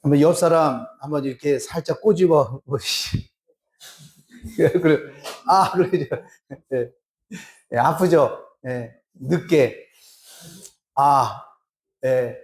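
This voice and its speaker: A man's voice: fairly high pitch, darkish tone. A male pastor preaching a sermon in a church, acting out little exchanges to make his points. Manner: slow, drawn-out preaching with acted-out dialogue. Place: church sanctuary.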